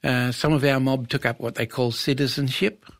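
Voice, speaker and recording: Gravelly older Aboriginal Australian man reminiscing. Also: mid-range voice, steady tone, moderate pace, no room sound, studio quality. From Western Australia. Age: 70s. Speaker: interview guest, Aboriginal elder. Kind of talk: conversational reminiscence.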